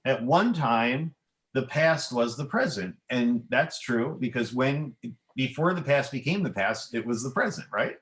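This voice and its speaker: A middle-aged man, an author guesting on a podcast, explaining his ideas in a halting, thoughtful, conversational way. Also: medium pitch, animated, fairly bright tone, low-quality recording. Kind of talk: conversational interview answers.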